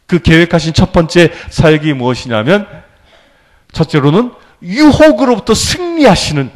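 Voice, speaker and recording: Animated priest with a high, lively voice. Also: male voice. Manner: animated, keeps prompting listeners with questions. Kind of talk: sermon lecture. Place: church.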